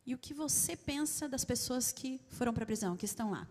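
A woman interpreting a guest speaker's talk live in a large church, relaxed and quick to laugh. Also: on the high side. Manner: laughs easily, relaxed and conversational. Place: large church auditorium with an audience. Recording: long hall reverb.

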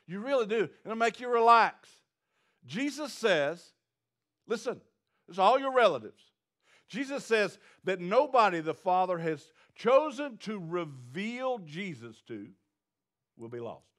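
This pastor's voice is high and sing-song, a little slow and fairly bright. Middle-aged, he delivers a sermon to a small seated congregation, striding across the church stage with broad gestures and climbing to forceful, repeated phrases.

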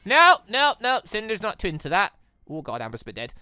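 A British gamer giving excitable, rambling let's play commentary and often breaking off mid-thought. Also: mid-range voice, fairly quick, clean tone, no room sound, studio quality. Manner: excitable, rambling, self-interrupting. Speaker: gaming video host. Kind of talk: let's play commentary, reading dialogue aloud. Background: game music.

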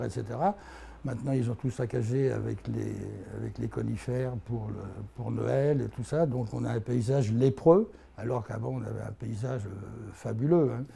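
Gravelly, self-mocking man in his eighties. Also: mid-range voice, dark tone. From Haut-Morvan, France. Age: 80s. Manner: rambling, self-mocking, laughs often, many restarts. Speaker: interviewee, anthropologist. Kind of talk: filmed life-story interview. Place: office with bookshelves, indoors. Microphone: lapel mic.

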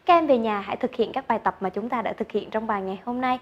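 A woman's voice: on the high side, quick pace, highs cut off, a little hiss or hum. A woman teaching an English lesson online, explaining step by step and speaking directly to her students.

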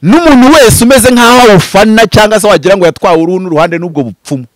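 A man in his thirties from Rwanda, a pastor speaking in an impassioned, preaching style, swinging from loud bursts to low murmurs. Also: racing, dry recording. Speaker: pastor and prophet. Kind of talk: animated preaching-style interview talk. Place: outdoors before green foliage. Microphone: handheld mic held close.

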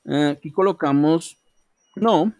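A man's voice: fairly high pitch, slow pace, a little mellow, no room sound, clean studio sound. A man with a Colombian accent teaching an English class online, explaining step by step and checking in with his students. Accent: Colombian Spanish. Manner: patient, explains step by step, often asks "¿sí?".

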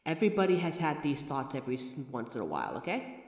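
A woman's voice: extremely low pitch, huge pitch swings, quick pace, darkish tone, heavily acted. A woman voicing the listener's own mirror reflection, a chatty, friendly female figure who talks with reassuring, self-aware rambling in a comfort roleplay. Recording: roomy echoey recording with long reverb.

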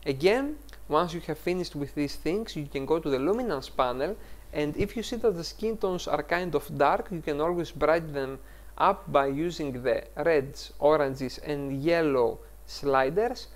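A man with a Greek accent hosts a photo-editing tutorial, explaining each step over a screen recording and correcting himself along the way. His voice is fairly high-pitched and his pace a little slow.

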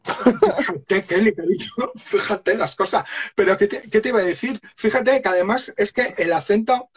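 High-voiced campy man from the Basque Country. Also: moderate pace, breathy edge. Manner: campy, chatty, lots of terms of endearment. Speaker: host of a drag chat show. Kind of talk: camp casual video chat. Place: indoor room with clothes rack. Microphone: phone on a video call.

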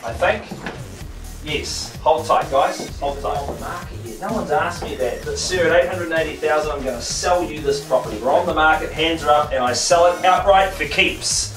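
A middle-aged man with a New Zealand accent calling bids at a live property auction, with quick joking banter and rhythmic patter. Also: on the high side, music in the background. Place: crowded living room of a house for sale. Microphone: far camera, no mic. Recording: echoey room, voice from far off.

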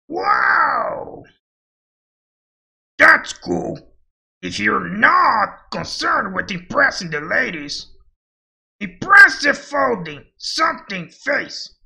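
A man's voice: very high-pitched, gravelly, bright, forceful tone, full character voice. A man voicing a cocky, boastful masked male wrestler in a brash put-on voice for a fan voice demo. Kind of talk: fan voice demo of game quotes.

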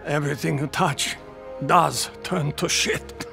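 Dying old man in a game, gravelly, kinda high, gasping, grave. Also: steady tone, slow pace. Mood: weak, grave. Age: older. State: weak, gasping, in pain. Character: dying old male explorer, grave and urgent. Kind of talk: dramatic video game cutscene acting. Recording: music behind the voice.

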